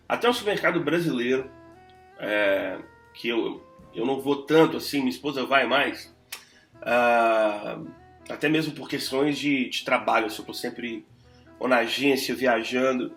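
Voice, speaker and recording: A man's voice: medium pitch, a bit bright, reverberant. A man from Brazil co-hosting a casual podcast, asking questions in an upbeat, playful way. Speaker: podcast co-host.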